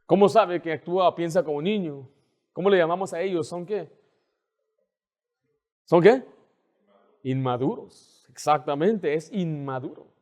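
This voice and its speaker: High-voiced male pastor preaching. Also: normal speed. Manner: animated, asks the congregation questions; mimics children's voices in quotes. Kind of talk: sermon. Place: church.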